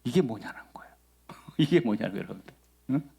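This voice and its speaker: Lively, animated preaching man. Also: medium pitch, fast, creaky, breathy edge. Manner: lively, conversational preaching with questions to the congregation. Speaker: pastor. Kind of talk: sermon. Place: church sanctuary.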